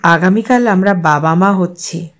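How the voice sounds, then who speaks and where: A woman voicing a young city husband who lowers her voice to patiently and defensively explain himself to his mother on the phone. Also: unhurried, a bit bright. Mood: pleased.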